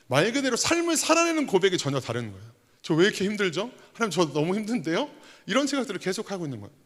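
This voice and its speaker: A man in his thirties, an associate pastor, preaching a conversational sermon with prayers voiced aloud. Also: a little high. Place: church sanctuary. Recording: long church reverb.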